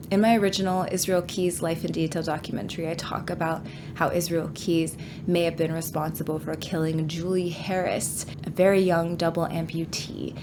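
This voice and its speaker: A woman's voice: low-pitched, background noise. A woman with a stuffy voice from a cold, chatting frankly to viewers about a true crime case. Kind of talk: casual talk to camera.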